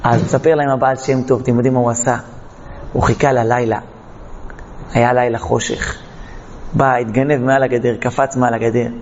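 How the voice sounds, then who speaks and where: A man's voice: medium pitch, flat delivery, long pauses, in a large hall, muffled recording, a little hiss or hum. A man teaching a Torah lesson, telling a parable dramatically and acting out the characters. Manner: dramatic storytelling, acts out the characters. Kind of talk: storytelling lesson.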